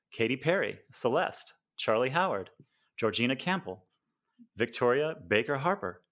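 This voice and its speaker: A man's voice: mid-range voice, fairly bright tone. American man hosting a friendly chat. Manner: friendly, laughs often, hesitant fillers. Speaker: podcast host. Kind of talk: casual interview chat.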